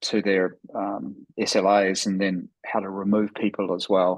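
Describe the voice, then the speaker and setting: A fairly slow New Zealand accent in a dry, close sound with no echo. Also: man. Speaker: open-source working group member. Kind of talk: online work meeting. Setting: video call. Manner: halting, many fillers.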